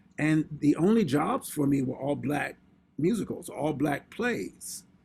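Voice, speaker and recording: A man with an American accent speaks at a fairly slow pace, his fairly high voice somewhat breathy. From US South. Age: 60s. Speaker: performer and dancer. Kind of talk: panel discussion. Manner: halting.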